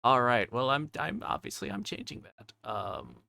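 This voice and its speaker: A man's voice: mid-range voice, very animated, moderate pace, vocal fry, pushed and bright, no room sound, studio quality. A man chatting casually on a game livestream in a rambling, flustered way that keeps cutting itself off. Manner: rambling, flustered, self-interrupting. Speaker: livestreamer playing a visual novel. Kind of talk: casual livestream chat and story read-aloud. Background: game music.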